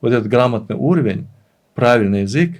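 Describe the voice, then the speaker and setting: Earnest man with a mid-pitched voice, explaining. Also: lively intonation, brisk, a little mellow. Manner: earnest, emphatic repetition of phrases. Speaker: interview guest, language teacher and author. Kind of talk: conversational interview, explaining and reminiscing.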